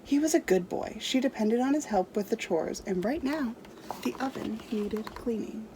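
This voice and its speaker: A woman's voice: a little high, animated, normal speed, background noise. A woman storyteller reading a storybook aloud to children expressively.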